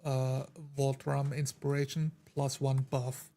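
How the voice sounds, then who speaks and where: Halting man in casual gaming discussion. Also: mid-range voice, level tone, dark tone. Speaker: tabletop role-playing player. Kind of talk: casual chat about game rules.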